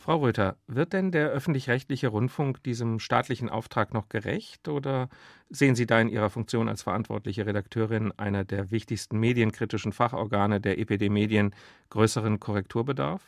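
A man's voice: fairly low pitch, fairly quick, gravelly, no echo, clean studio sound. A man hosting a radio discussion, putting prepared, formally worded questions in an articulate, structured way. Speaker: radio host, interviewer. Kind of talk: prepared interview questions and background narration.

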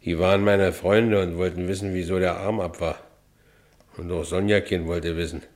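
Deep voiced berlin working guy, haunted and bitter, telling his story in a radio play. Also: fairly even intonation, moderate pace, darkish tone. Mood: haunted, brooding. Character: haunted working-class Berlin man, bitterly recounting his lover's murder. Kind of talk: radio drama first-person narration.

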